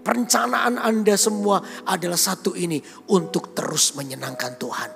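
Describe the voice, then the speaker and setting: Male pastor, high gravelly voice, storytelling sermon, reverberant church hall with music behind. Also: normal speed, fairly bright tone. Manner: storytelling with acted dialogue, calls to congregation.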